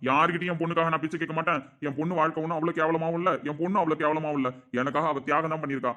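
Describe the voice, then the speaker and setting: A man with a high-side, sharp, steady voice speaks very fast as an angry middle-aged father indignantly and emphatically defending his daughter in an amateur family drama. The recording has its highs cut off.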